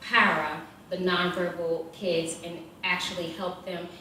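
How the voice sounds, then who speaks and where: A woman's voice: on the low side, flat delivery, a little slow, bright, forceful tone, a little hiss or hum. A woman on a panel speaking as a parent, matter-of-fact and personal. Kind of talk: panel discussion. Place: event hall. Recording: echoey hall from far off.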